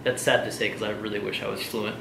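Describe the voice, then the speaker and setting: A man's voice: lowish voice, flat delivery, fast. A young man from Texas with an American accent, chatting casually as a vlog co-host. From Texas, United States. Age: young adult. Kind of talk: casual chat. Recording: echoey room with clear background noise.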